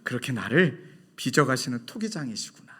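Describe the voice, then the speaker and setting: A middle-aged man preaching a sermon as pastor in a church, telling stories lively and dropping to soft, hushed tones when quoting. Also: mid-range voice, brisk, slightly rough. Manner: animated storytelling, drops to soft hushed tones for quoted dialogue. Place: church sanctuary.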